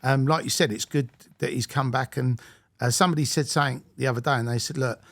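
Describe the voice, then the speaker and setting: Creaky man interviewer with a dry sound. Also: mid-range voice, steady tone, fast talker, a bit bright, no room sound. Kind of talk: casual sports interview chat.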